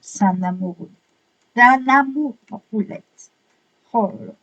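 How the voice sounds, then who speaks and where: A woman with a slightly husky, somewhat high voice chats through an unboxing. She is excitable, swears casually and keeps apologizing as she goes. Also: a little slow, lo-fi sound. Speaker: vlogger unboxing art supplies.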